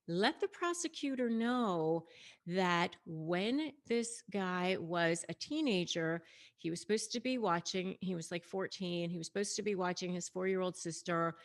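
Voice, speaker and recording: A woman with a slightly low voice talks directly to her audience as a coach and video host. She explains things conversationally, stressing key points as she gives advice. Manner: conversational, emphatic, addresses viewers directly. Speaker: online negotiation coach and host. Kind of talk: explanatory video talk to camera, retelling and advising.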